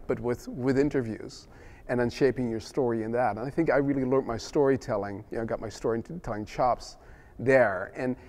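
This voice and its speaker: A middle-aged man from the Netherlands, Dutch by first language, talks about his work in an easygoing interview. He rambles, restarts his sentences and leans on fillers, and his pitch sits in a plain middle range. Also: a little mellow. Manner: rambling, many restarts and "you know". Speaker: film director. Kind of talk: casual interview answers.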